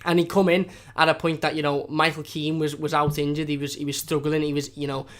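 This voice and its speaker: A man's voice: on the high side, little pitch movement, a little fast, fairly bright tone. A young man with a strong Scouse accent, hosting a fan channel live stream in casual, rambling chat with frequent restarts. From Liverpool area of England.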